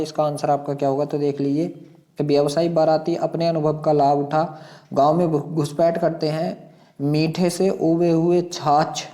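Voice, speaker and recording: A man's voice: a little high, dark tone. A man teaching an exam lesson, reading questions and passages aloud in an instructive way, repeating phrases and putting questions to his students.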